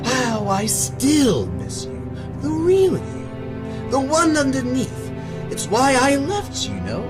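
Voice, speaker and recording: A theatrical clown supervillain, sadistic and gleeful. His pitch leaps all over the place while the words come slowly, stretched out in mockery. It is audio drama, with music beneath. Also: huge pitch swings, heavily acted. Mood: theatrical longing. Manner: theatrical, mocking, drawn-out delivery with sudden swoops. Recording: music under the voice.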